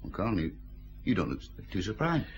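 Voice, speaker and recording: An actor playing a dry, self-satisfied police forensic scientist explaining evidence in a radio drama. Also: male voice, fairly low pitch, very animated, a little fast, a little hiss or hum. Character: wry Glasgow police forensic scientist, pleased with himself.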